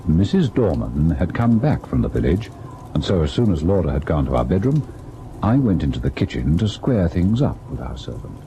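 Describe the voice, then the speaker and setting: Educated husband-narrator, low and lively-pitched, earnest, old radio drama with background hiss. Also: male voice, moderate pace. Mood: brooding, reflective. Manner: earnest, hesitant, expressive. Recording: noisy vintage radio recording.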